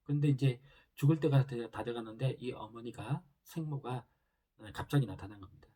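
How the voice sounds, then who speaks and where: A man walks through a drama's plot in an easygoing recap, stringing scenes together with plenty of filler words. His voice sits in a mid range and sounds husky and dark. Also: mid-range voice, normal speed. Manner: loose retelling with many fillers. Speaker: drama reviewer.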